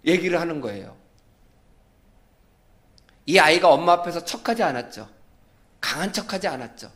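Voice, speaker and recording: A male pastor preaching a sermon, telling stories in a lively way and acting out the people in them. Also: sits high.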